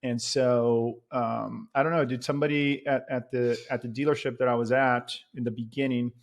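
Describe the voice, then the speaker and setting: A man in his forties from Venezuela, telling stories in a relaxed, casual way with lots of fillers, close on a boom mic in a studio. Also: normal speed, vocal fry. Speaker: podcast host and guest. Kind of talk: casual interview chat. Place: studio with a bright neon sign on a plain wall.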